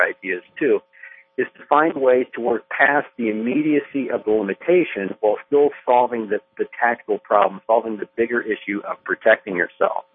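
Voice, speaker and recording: Medium-pitched man at a moderate pace, with music in the background. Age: 50s. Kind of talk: phone interview. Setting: phone call.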